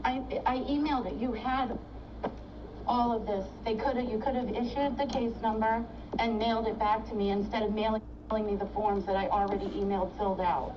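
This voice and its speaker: Brief: indignant woman self-filer ranting at a clerk's counter, recorded on a phone from a distance, echoey and muffled with loud background noise. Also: a little high, steady tone. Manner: agitated, indignant, rapid-fire complaining. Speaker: self-represented litigant filing a case. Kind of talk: filmed argument at a court clerk counter. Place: courthouse clerk's counter indoors.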